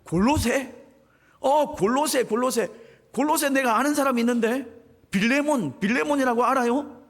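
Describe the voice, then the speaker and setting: A man voicing an eager, warm-hearted elderly apostle who talks excitedly and repeats himself. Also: high-pitched, normal speed, creaky, in a large hall, pitched above the performer's own voice, full character voice.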